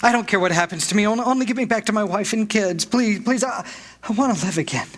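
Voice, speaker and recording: An actor playing an excitable, stammering everyman husband and father in a staged 1940s-style radio drama. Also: sits high, fast. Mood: pleading. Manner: stammering, breathless repetition. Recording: live stage, faint noise, clicks.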